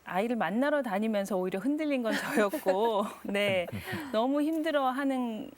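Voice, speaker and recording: A middle-aged woman giving a soft, reflective faith testimony as a guest on a Christian talk show. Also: on the high side, expressive, moderate pace. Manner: soft, reflective, frequent affirming "네".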